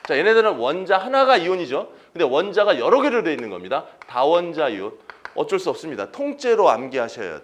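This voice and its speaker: A man giving an exam-prep chemistry lecture, asking students questions and answering them himself, repeating key terms. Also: a little high.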